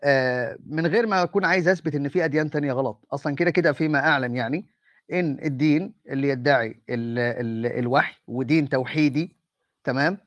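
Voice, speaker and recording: An Egyptian man arguing for his faith in an online voice-room debate, talking softly and patiently, often stopping to ask for patience. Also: on the high side, dry recording. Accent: Egyptian Arabic. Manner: measured, calls for patience, speaks softly. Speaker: Muslim debater.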